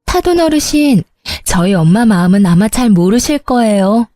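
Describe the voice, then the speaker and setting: A woman's voice: mid-range voice, animated, normal speed, dark tone, dry recording, faint music behind, close to an everyday voice. A woman voicing a tactless young sister-in-law who speaks in a snippy, reproachful way.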